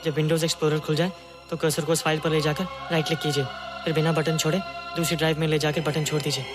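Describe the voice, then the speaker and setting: An actor playing a gentle, childlike young man who talks earnestly and politely, keeps saying sir, in a film scene. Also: fairly high pitch, level tone, fast talker, lightly acted. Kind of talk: film dialogue. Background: film music.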